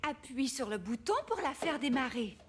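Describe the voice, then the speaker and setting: A woman's voice: high voice, animated, moderate pace, background noise. A woman voicing a kind, playful old grandmother in a French children's cartoon dub. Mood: playful, encouraging.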